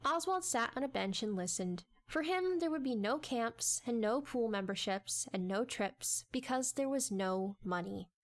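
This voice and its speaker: A woman's voice: on the high side, animated, unhurried, few pauses. A woman reading scripted story narration in a dramatic audiobook style.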